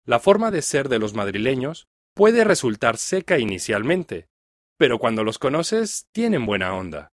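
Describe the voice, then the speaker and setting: A Mexican man with a Mexican accent reads a scripted first-person account for learners. His pitch sits mid-range but rises and falls a lot, and his delivery stays clear and measured. The sound is dry and close, as from a studio mic. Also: no room sound. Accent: Mexican Spanish. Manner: clear, even read-aloud delivery. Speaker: reader of a listening text.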